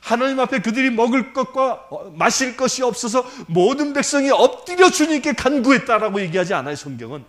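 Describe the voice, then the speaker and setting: A male priest preaching a sermon in an animated way, often putting rhetorical questions to the congregation. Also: very high voice, brisk, few pauses.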